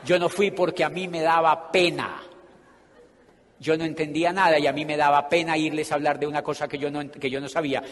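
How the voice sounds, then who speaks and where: A man giving a humorous motivational talk to an audience, telling a story about his own past and acting out the scenes with big swings in his voice. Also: brisk. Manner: animated, acts out scenes with big pitch swings. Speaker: motivational speaker. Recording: echoey hall with faint ambient noise.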